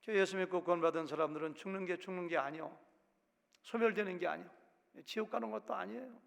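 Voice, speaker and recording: A man's voice: high voice, fast talker, creaky, fairly bright tone. A male pastor from Chungcheong province preaching a sermon with a regional accent, acting out quotes in shifting voices. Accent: Chungcheong Korean. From Korea, Chungcheong province. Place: church sanctuary. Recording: long hall reverb.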